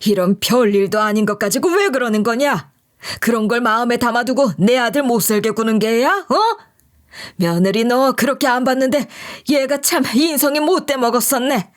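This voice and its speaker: Brief: blustering older father-in-law in an audio story, loud scolding bark, voiced by a woman in her own voice. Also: on the high side, normal speed, natural voice. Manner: scolding, shouting.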